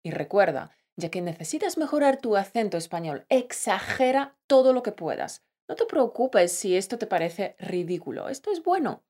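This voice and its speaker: A woman co-hosts a scripted language lesson. She talks to the listener in a playful, affectionate way, at a middling pitch. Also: expressive, normal speed, few pauses, a little mellow. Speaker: podcast co-host, Spanish teacher. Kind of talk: scripted teaching podcast.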